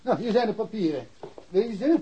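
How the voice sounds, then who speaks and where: An actor playing an easygoing, good-humoured small-town policeman, jovial and unhurried, in a naturalistic radio drama. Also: sits high, lively intonation, mellow, breathy edge, lo-fi sound, exaggerated voice. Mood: welcoming, practical.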